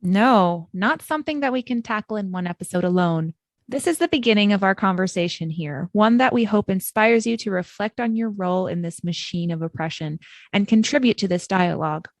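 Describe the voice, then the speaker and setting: A woman co-hosting a podcast for English teachers who speaks in a measured, earnest, affirming way. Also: mid-range voice, no echo. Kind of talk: scripted podcast discussion.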